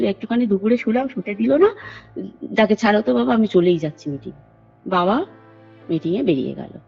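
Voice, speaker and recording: A woman, calling in to tell a true ghost story in a rambling, earnest way and often addressing the host. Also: on the high side. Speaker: caller sharing a personal story. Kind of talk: telling a true ghost story over the phone. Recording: dull lo-fi phone call with faint music.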